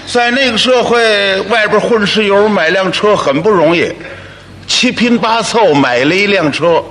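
A man telling a solo comic story in a lively, wry manner. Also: high-pitched. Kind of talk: solo crosstalk monologue. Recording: echoey hall, faint noise.

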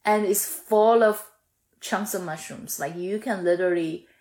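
A woman's voice: mid-range voice, a little slow, echoey room. A woman in her thirties from Chongqing with a Chinese accent, chatting eagerly as a founder in an interview, restarting her sentences and filling gaps often. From Chongqing, China. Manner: lively, frequent fillers and restarts. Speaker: sauce brand founder, guest. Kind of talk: casual interview conversation.

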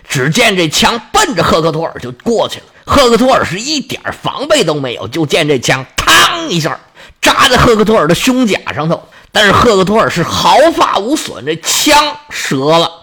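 Man, storyteller, dramatic, very lively pitch, high. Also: moderate pace, husky. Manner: dramatic, with vocal sound effects. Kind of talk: traditional storytelling narration.

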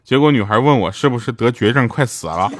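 A young man telling short jokes in a stand-up monologue, deadpan, acting out the people in his stories. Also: mid-range voice, fast talker. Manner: deadpan storytelling, acting out the voices in his anecdotes. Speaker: stand-up comedian.

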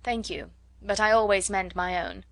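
A proud, reserved gentleman speaks in curt, measured sentences, coolly dissecting every point. A woman reader voices him close and dry, storybook style. He never warms. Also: medium pitch, no room sound, close to an everyday voice.

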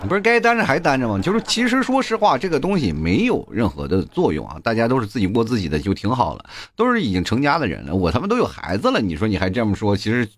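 Fast, lively low-voiced male comedic host. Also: no room sound. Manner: rambling storytelling, restarts, acts out quotes. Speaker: show host. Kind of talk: comedic rant monologue.

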